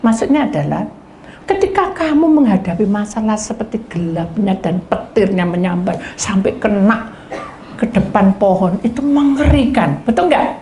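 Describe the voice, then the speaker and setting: A middle-aged woman pastor, preaching in animated storytelling that swings between loud bursts and whispers. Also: medium pitch, normal speed, slight background noise. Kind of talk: sermon.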